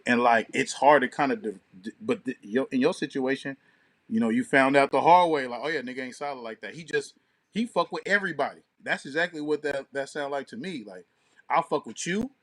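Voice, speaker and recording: Brisk and mid-range in pitch, this American podcast co-host swears freely and leans on slang. He keeps punctuating what he says with checking tag phrases.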